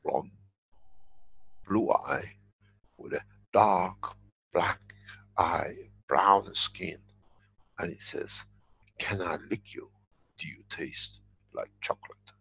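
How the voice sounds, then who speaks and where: Lecturing man, very deep gravelly voice, husky, emphatic and repetitive, dull lo-fi recording. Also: extremely slow, long pauses, a bit bright. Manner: emphatic, repeats key phrases. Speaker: workshop lecturer. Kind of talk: spoken workshop lecture.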